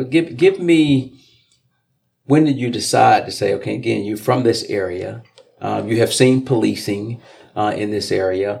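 With lively intonation and long, frequent pauses, a man speaks at a moderate pace in a medium pitch. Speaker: police officer and podcast host. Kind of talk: casual interview.

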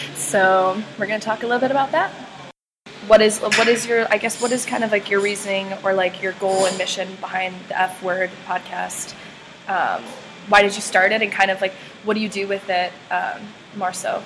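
A woman with an American accent, fairly even intonation and noticeable background noise. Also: medium pitch for a woman, moderate pace. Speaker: podcast co-host and interviewer. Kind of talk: casual chat.

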